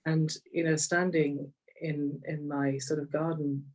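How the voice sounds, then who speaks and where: A woman's voice: sits low, little pitch movement, measured pace, a little mellow, far from the mic, poor audio. A middle-aged woman with an English accent tells personal stories conversationally, reflective and repeating phrases for emphasis. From Kenya, later rural England. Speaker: interview guest, executive coach.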